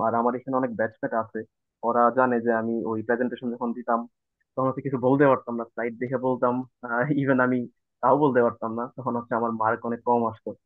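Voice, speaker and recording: A man's voice: mid-range voice, no room sound, phone-quality sound. A young man, a former student, sharing his experience casually and hesitantly with many fillers. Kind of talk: casual testimony in class.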